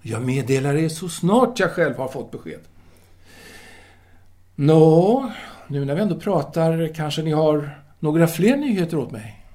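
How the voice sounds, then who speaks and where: An actor playing a courteous, restless philosophy teacher of the 1930s in an audio drama, speaking formally with hesitant pauses. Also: male voice, a little high, animated, darkish tone, lightly acted. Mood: courteous, attentive. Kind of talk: audio drama dialogue, intimate phone conversation.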